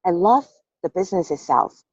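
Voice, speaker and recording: A woman's voice: lowish voice, lively intonation, normal speed, a little mellow, slightly rough, dry recording. A woman from Taiwan being interviewed on a team call, telling her story candidly with hesitant restarts and frequent "okay" fillers. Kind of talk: casual interview. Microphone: call recording. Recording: dull lo-fi call audio.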